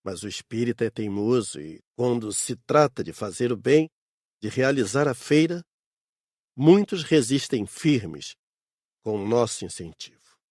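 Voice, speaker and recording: A man's voice: mid-range voice, expressive, a little slow, a little mellow, no room sound. Here is a man acting a steadfast spirit worker in an audiobook. The intonation swings widely while staying assured, like someone recounting past events. The recording is very dry. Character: adult male spirit worker defending the book fair, steadfast. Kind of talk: scripted audiobook dialogue.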